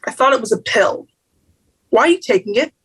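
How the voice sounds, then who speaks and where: A woman's voice: on the high side, lively intonation, brisk, fairly bright tone, husky, heavily acted. A woman reading the part of a nagging middle-aged Jewish mother at a table read. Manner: nagging, blunt.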